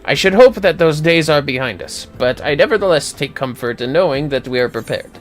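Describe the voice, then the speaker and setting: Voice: mid-range voice, lively intonation, fairly quick, soft background music, close to an everyday voice. A streamer voicing an earnest, courteous young guardian of children in a video game, speaking politely and formally. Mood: pleased, explaining.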